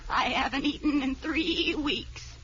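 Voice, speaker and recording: A woman's voice: sits high, measured pace, fairly bright tone. A woman in a 1940s radio comedy voicing a poor, pleading old woman who sells violets, with a bleating, goat-like quaver. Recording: dull old radio broadcast.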